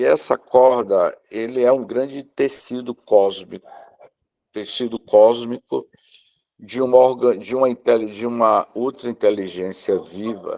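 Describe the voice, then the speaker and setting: A man speaks at a fairly slow pace with a medium pitch and fairly even intonation. His tone is dark and mellow, and the sound is dry and close with no echo. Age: 60s. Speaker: spiritist study group member. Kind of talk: study group discussion. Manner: halting.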